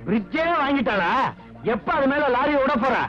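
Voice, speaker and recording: An actor playing a sarcastic policeman husband who trades deadpan retorts with his wife in a dull, lo-fi old film soundtrack. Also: very high voice, normal speed, over music. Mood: bickering. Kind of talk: 1980s Tamil film comedy acting.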